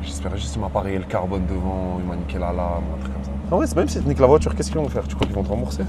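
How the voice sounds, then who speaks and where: A man vlogging casually to camera outdoors, slangy and excitable, calling his viewers family. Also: deep voice, very fast, heavy background noise. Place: outdoors in a city, around a car pound.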